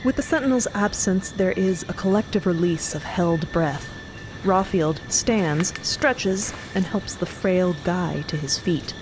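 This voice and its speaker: A woman's voice: lowish voice, measured pace, noisy background. A woman giving dramatic scripted narration as the narrator of an audio story.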